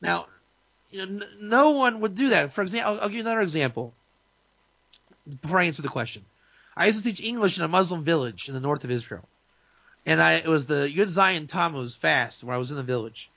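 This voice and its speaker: A male rabbi holds forth in opinionated talk-show chat, emphatic and quick to restart his sentences. His voice is gravelly and bright, a little higher than most men's. The sound is dry and slightly dull. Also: animated, no room sound. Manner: emphatic, many restarts and asides. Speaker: rabbi and guest speaker.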